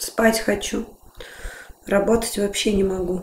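In a room with audible echo and light background noise, a woman speaks at a very slow pace with monotone, flat intonation. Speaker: vlogger. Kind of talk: casual vlog chat. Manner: drowsy, flat, sedated murmur. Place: home room.

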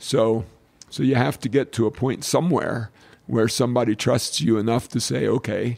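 Keeping a very even loudness, a man with an American accent speaks with vocal fry. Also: medium pitch for a man, ordinary pitch variation, moderate pace. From US, Pennsylvania. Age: 60s. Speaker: ski shop owner and engineer. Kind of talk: casual interview.

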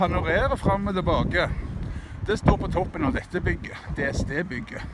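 A man speaks at a fairly slow pace. The sound is dry with no echo, with loud background noise. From Norway, Stavanger; Norway. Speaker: video blogger; vlogger. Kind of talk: vlog narration walking around town. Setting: outdoors. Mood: calm, mildly wry. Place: street. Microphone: phone near.

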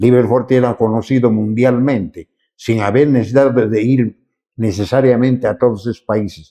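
Over a quiet background, a man with a dark, mellow tone and medium pitch speaks at a moderate pace. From Bolivia, Tupiza (Potosí); Potosí, Bolivia. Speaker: retired rural teacher and writer; retired rural teacher. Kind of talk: interview. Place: studio. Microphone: lapel.

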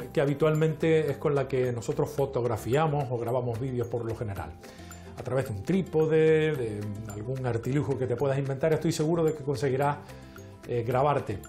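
A man's fairly quick delivery with ordinary pitch variation over faint background music. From Canary Islands. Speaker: TV and radio presenter. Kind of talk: TV show host address to camera. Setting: home. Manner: warm, friendly. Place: home room. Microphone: lapel.

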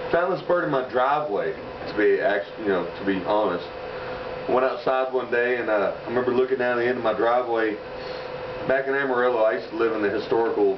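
A man talks fairly quickly while noticeable background noise carries on. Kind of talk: casual vlog chat. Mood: relaxed, storytelling. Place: home room. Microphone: camera far.

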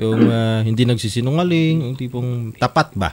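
The speaker is a man with a medium pitch. He keeps to a moderate pace. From Philippines. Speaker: live call-in show host. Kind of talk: casual chat. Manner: animated. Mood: joking, teasing. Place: studio. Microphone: studio mic.

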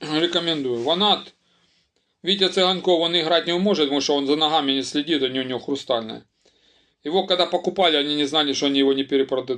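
A man talks very fast at a fairly high pitch, with a bright, sharp tone, ordinary pitch variation and long, frequent pauses. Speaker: football commentator blogger. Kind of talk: casual monologue. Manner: casual, rambling.

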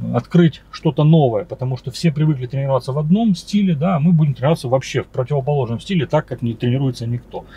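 A man talks with a dark, mellow tone that is somewhat breathy. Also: dry sound with no echo. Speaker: fitness coach vlogger. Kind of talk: casual vlog chat. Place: car. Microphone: camera far.

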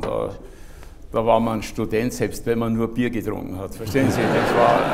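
A man in a Bavarian accent speaks over noticeable background noise. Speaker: cabaret artist. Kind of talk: stage interview answer. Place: stage.

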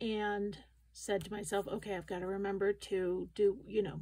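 Against a quiet background, a woman mumbles. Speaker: watercolor sketch artist. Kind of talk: casual tutorial talk while drawing. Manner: hesitant, mumbling with many fillers. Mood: calm, reflective. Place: home room. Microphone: phone near.

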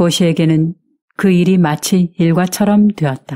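At a very slow pace, a woman talks in a calm, soothing tone that is dark and mellow, with a fairly low pitch and fairly even intonation. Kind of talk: audiobook folktale narration.

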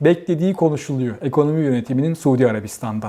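Dark, mellow male tones over a hushed background. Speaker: financial news commentator. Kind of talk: solo economic news commentary. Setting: self-recorded video.

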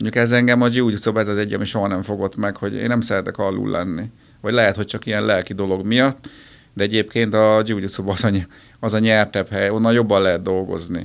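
A man talks at a very fast pace in a monotone, flat delivery. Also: fairly low pitch for a man. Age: 50s. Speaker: jiu-jitsu champion and lawyer; lawyer. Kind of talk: interview. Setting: studio. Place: office. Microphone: studio mic.

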